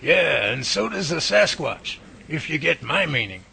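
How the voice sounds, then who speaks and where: A man plays an earnest research professor in an audio drama. His voice is very gravelly and bright, with animated intonation and a folksy, guarded way of talking, over faint noise. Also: fairly high pitch, a little slow, exaggerated voice. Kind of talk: radio drama acting.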